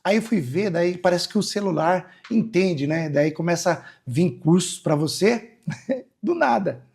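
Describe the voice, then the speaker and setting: Guy telling stories on a podcast, kinda breathy, keeps saying né. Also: high-pitched, moderate pace, darkish tone. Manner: rambling anecdotal, frequent "né?" tags. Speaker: hypnotherapist guest. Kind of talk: casual interview storytelling.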